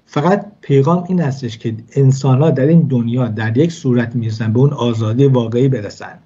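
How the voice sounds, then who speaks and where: Male religious teacher, measured and hesitant delivery, husky tone, dull lo-fi sound. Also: mid-range voice, warm tone. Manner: measured explaining, frequent hesitations. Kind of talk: weekly Torah lesson.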